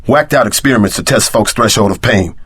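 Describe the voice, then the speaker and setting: Gruff, brash action-game tough guy. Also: fairly low pitch, brisk, a bit bright, no room sound, studio quality. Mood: grim, vengeful. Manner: streetwise, swaggering slang. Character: tough, brash former security chief out for revenge. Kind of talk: video game voice acting.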